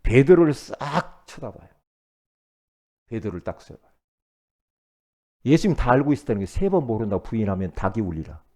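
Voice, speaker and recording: A male pastor preaching a sermon in a folksy, colloquial way, asking rhetorical questions and acting out quoted speech, with sudden swings from loud outbursts down to near whispers. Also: medium pitch, very animated, brisk, pauses often. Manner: acts out quoted speech dramatically.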